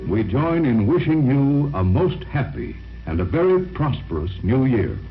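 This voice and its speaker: A man reading a radio sponsor message in a friendly, persuasive pitch-man manner, heard from an old broadcast transcription disc. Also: sing-song, measured pace, narrow, tinny audio, loud music behind the voice. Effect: old broadcast transcription disc sound. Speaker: sponsor announcer. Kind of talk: scripted radio commercial reading.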